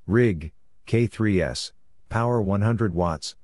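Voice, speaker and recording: A man reading amateur radio practice exchanges aloud, in a flat and clipped manner. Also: on the low side, slow. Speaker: Morse code practice reader.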